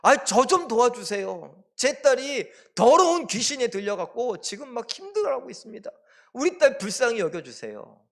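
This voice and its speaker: A man's voice: very high-pitched, very animated, moderate pace, gravelly, fairly bright tone, voice pushed up, exaggerated voice. A male pastor voicing a desperate mother who tearfully begs for help for her daughter. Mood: pleading. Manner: pleading, tearful.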